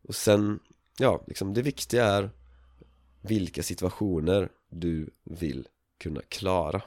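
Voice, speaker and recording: A man with a fairly low voice hosts his podcast in a loose, casual monologue. He keeps a relaxed tone, with frequent chuckles and fillers between thoughts. The sound is dry and close. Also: no echo. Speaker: podcast host.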